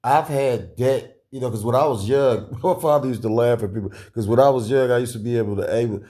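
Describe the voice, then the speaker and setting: A man in casual podcast talk, rambling with many fillers and restarts and chuckling often, with a deep voice. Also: a little fast, mellow. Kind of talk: casual conspiratorial chat.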